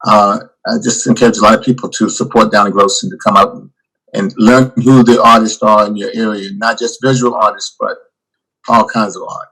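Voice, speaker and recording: A man's voice: lowish voice, fairly even intonation, a little fast, creaky, sharp tone, husky, rough recording. A man speaking casually and encouragingly on a video call panel, with some hesitation.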